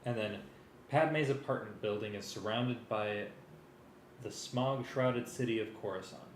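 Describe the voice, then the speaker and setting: A man's voice: lowish voice, a little slow. A man talking casually and hesitantly, thinking aloud as he works and sometimes reading from a script. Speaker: music arranger preparing a live table read. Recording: echoey room with faint noise.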